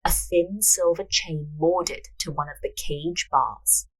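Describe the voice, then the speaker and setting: Female narrator-host: slightly low, husky, reads fiction and drops into casual banter. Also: measured pace, rough recording. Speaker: podcast host, writer and narrator.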